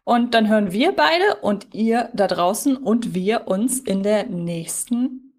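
A woman from Germany speaks as a podcast co-host. Her voice sits at a medium pitch, and she talks in a casual, chatty style. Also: lively intonation, slow, a little mellow.

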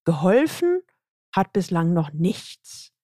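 A woman's voice: fairly low pitch, very animated, slow pace, warm tone, dry recording, clean studio sound, full character voice. A woman voicing a stressed, frustrated female executive with tense, exasperated complaints, in a plain reading voice.

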